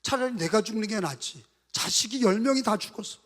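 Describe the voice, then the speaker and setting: A man's voice: high voice, lively intonation, brisk, big-room sound. A man preaching a sermon as pastor, impassioned, leading the congregation in repeating phrases after him. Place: church sanctuary.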